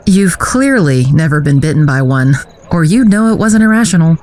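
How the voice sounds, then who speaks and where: Actress as wry, guarded woman with a lowish voice. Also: expressive, a little slow, a little mellow. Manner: dry, sardonic. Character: wry, guarded woman recalling a youthful misadventure. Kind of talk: audio drama narration and dialogue.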